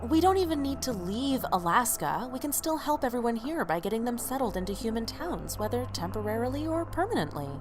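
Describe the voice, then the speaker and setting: A woman's voice: a little high, big pitch swings, a little fast, few pauses, noisy background. An actress playing a frank, pragmatic young woman with a blunt, matter-of-fact manner in an audio drama. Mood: firm, frustrated.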